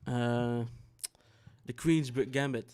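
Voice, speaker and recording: A man's voice: mid-range voice, steady tone, slow pace, a little mellow, smooth. A young man from the Netherlands, co-hosting a casual chat, rambling and swearing with many restarts. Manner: rambling, profane, restarts a lot. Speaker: podcast co-host.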